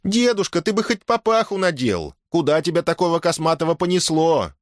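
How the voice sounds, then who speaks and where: A man's voice: a little high, animated, a little fast, dry recording, clean studio sound, voice pushed up, natural voice. A man voicing a middle-aged peasant woman who wails and laments. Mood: lamenting. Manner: wailing, keening.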